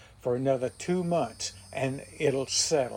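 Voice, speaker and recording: A man speaks with a Florida accent. His pitch is fairly high. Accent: Southern US (rural Florida). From US South, north central Florida. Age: 70s. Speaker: beekeeper and honey seller. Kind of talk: casual chat.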